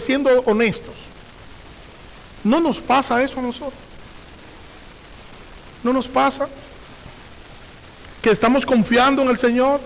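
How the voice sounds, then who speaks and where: A man's voice: very high-pitched, fairly bright tone, a little hiss or hum, poor audio. A male pastor preaching a sermon, asking rhetorical questions, repeating phrases and reading scripture aloud.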